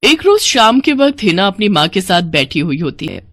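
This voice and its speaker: A woman's voice: mid-range voice, sing-song, normal speed, a bit bright, slight background noise. A woman reading scripted story narration as the narrator.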